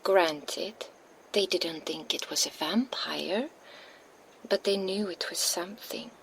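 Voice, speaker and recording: A cold female vampire, as a woman acts her out, whispers slowly and menacingly right beside a binaural mic. The low, gravelly whisper takes its time with every taunt, and a faint hiss sits beneath it. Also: full character voice, poor audio. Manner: soft unvoiced whisper, slow and taunting. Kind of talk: ASMR roleplay, whispered. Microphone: binaural microphone.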